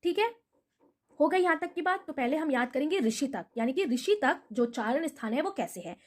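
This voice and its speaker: A woman's voice: high voice, expressive, a little fast. A woman teaching Hindi grammar in a video lesson, patiently repeating memory tricks and asking rhetorical questions before answering them.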